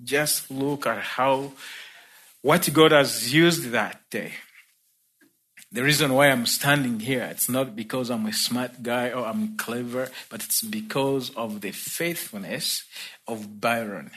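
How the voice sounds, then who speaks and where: A man's voice: mid-range voice, slow pace. A man from Uganda with a Ugandan accent, telling his own conversion story in a sermon with easy laughter. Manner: warm storytelling, laughs between points. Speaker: preacher. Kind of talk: sermon testimony. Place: church.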